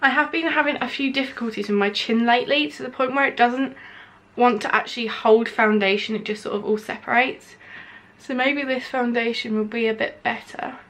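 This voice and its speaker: Indoors at home with the window open, a young woman casually reviews makeup as she applies it. Her voice sits on the high side, steady and fairly bright, a touch fast, but nasal and congested, her throat sore from hay fever. Chatty and meandering, she says "like" constantly.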